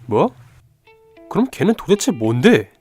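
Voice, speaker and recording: A young man playing a sharp amateur detective who lays out deductions in an analytical, assured way in an audio drama. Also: a little high, sing-song, a little slow, husky, faint music behind, heavily acted. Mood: taken aback. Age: young adult. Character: sharp young male amateur detective, piecing clues together.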